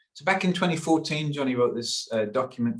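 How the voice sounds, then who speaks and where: At a fairly quick pace, a man with a fairly high pitch speaks with very wide pitch swings. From Wales, schooled in Northern Ireland. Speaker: PhD student and community farm board member. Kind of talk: talk to an audience. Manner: hesitant, with fillers and repetitions.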